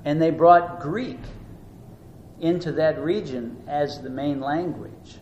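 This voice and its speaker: A man preaching a sermon. He teaches earnestly, rising and slowing down for emphasis. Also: a little high, a little mellow, highs cut off. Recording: echoey room with faint noise.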